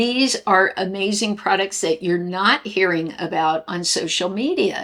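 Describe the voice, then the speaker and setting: A woman speaks with an unremarkable speaking voice. Her pace is fairly slow and her pitch varies in an ordinary way. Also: medium pitch for a woman. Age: 60s. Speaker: beauty YouTuber. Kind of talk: casual talk to camera.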